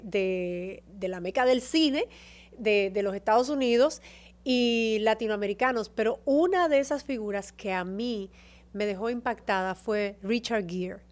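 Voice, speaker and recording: A woman telling stories as a podcast guest, warm and expressive about her career and her home country. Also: a little high, unhurried. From Dominican Republic. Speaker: guest, actress and TV presenter. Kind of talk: casual interview chat.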